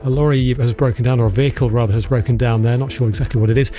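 A man reading a live radio travel bulletin, brisk and unscripted, with frequent fillers and quick self-corrections. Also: mid-range voice, steady tone, dark tone. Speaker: travel news presenter.

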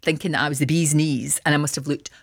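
A middle-aged woman with a Glasgow accent, telling stories as a guest in a casual interview, chatty and animated, with Scottish words like wee. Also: sits low, fast, breathy edge, no echo, clean studio sound. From Scotland. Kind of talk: casual radio interview chat.

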